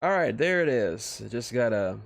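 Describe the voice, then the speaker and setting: A male streamer talks casually in a dry, close-miked space. His delivery is rambling and enthusiastic, with profanity mixed in, and his pitch sits in an ordinary middle range for a man. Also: very animated, moderate pace, vocal fry, no echo. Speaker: streamer, host. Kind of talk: casual livestream chat about fan fiction.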